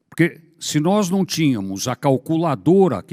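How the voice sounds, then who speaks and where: Recorded with a dry, close sound and no echo, a man's voice moves through very wide pitch swings. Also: very clean recording, silent background. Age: 60s. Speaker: insurance journalist and lawyer. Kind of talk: conference talk. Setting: conference event.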